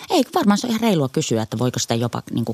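A woman speaks with very wide pitch swings. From Finland, Kuusamo (northern Finland). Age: 40s. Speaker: journalist. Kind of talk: interview conversation. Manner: hesitant, many fillers and repetitions.

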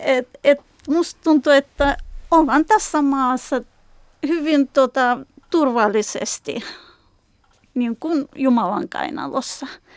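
In a Russian accent, a woman speaks at a very slow pace and a high pitch. The sound is dry and close, with no echo. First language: Russian (speaking Finnish). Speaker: culture and arts worker, diversity advocate. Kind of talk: radio panel discussion. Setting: studio.

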